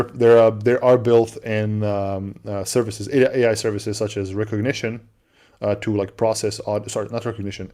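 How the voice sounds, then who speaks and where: A livestream co-host with a low, mellow voice and a non-native English accent chats casually. He's relaxed and talkative, answering viewer questions with frequent fillers and restarts.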